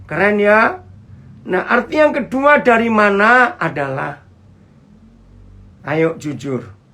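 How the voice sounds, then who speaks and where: A man's voice: high-pitched, expressive, slow, sharp tone. A man preaching a sermon over a video call, chatty, asking his listeners questions and greeting viewers as they join. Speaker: pastor. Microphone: computer mic on a video call.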